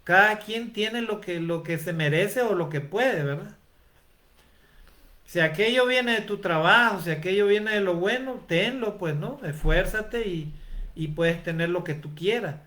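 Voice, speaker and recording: A man's voice: high-pitched, a little slow, pushed and bright. A man preaching a sermon, asking rhetorical questions and calling his listeners brother. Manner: rhetorical questions with frequent tag "¿verdad?", addresses listeners as brother.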